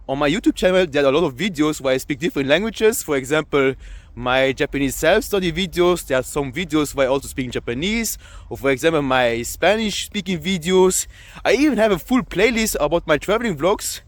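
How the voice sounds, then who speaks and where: Chatty Luxembourgish man, fairly high voice. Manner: chatty, repeats himself, fills with "I mean" and "yeah". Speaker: language vlogger. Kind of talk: casual vlog talk to camera.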